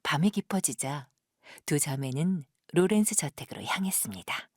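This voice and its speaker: A woman narrating an audio drama like a storyteller, gentle and measured, with breathy sentence endings. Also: low voice, expressive. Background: music.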